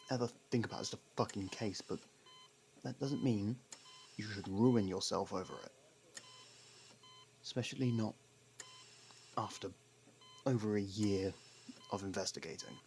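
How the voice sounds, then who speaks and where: A man acting a sarcastic, scolding criminal partner who hides his worry, in an ASMR roleplay with halting pauses. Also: low voice, gravelly, a little mellow, a little hiss or hum. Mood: grudging concern. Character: gruff, sarcastic criminal partner, secretly worried.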